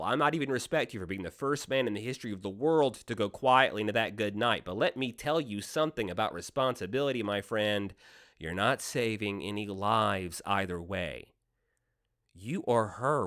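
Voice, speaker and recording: A man's voice: lowish voice, animated, moderate pace, fairly bright tone. A man playing a sly, sardonic devil-like tempter in a radio play, speechifying in a persuasive, mock-folksy way. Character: sly, theatrical male devil-like deal maker, smooth tempter.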